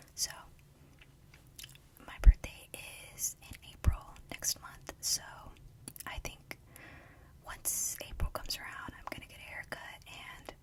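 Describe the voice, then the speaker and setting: A woman speaks in a whisper at a fairly slow pace. Her pauses are long and frequent. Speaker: ASMR creator. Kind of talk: ASMR makeup tutorial voiceover. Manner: whispered; chewing gum while talking.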